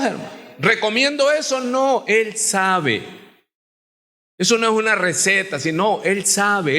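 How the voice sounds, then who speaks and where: A man with a Mexican Spanish accent, a pastor preaching an impassioned sermon, moving between quiet talk and shouting as he speaks to the congregation. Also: high-pitched. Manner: addresses the congregation as hermano. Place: church sanctuary. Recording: reverberant church hall.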